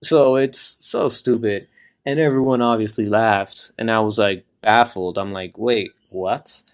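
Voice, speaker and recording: A man's voice: on the low side, fairly even intonation, measured pace, clear, resonant tone. Rambling profane young podcaster guy. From Florida, raised in Puerto Rico. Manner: rambling, profane, self-deprecating. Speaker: podcast host. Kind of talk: unedited casual solo podcast storytelling.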